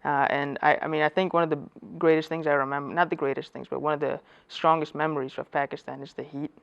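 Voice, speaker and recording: Gravelly man recalling his refugee childhood. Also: on the high side, little pitch movement, fast, a bit bright. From Afghanistan. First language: Dari. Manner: hesitant, many restarts and self-corrections. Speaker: interviewee. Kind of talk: reflective personal storytelling. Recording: dull lo-fi audio.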